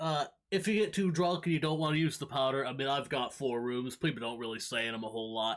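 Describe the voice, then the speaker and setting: A man's guttural put-on character voice at medium pitch, very fast, with lively intonation. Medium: actual play. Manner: rambling, hesitant.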